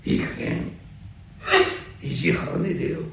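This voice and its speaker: A man playing a gruff old nori wholesaler. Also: a little slow, slight background noise, lightly acted. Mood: coaxing. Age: older. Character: older male nori wholesaler, gruff but caring. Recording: very echoey room.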